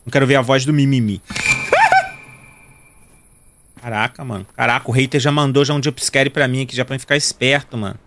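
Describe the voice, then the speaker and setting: Carioca guy in his 30s, gravelly voice, slangy and jokey while gaming. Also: mid-range voice, fairly even intonation, quick pace, fairly bright tone, slight background noise. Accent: Carioca, Rio de Janeiro. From Brazil. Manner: joking, slangy, talks to viewers. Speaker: gaming video host. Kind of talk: casual gameplay commentary.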